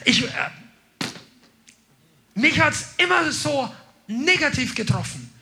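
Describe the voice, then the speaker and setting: Man, pastor, sermon, energetic, gravelly, very high voice. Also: slow, a little hiss or hum. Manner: energetic, exclaiming to the congregation.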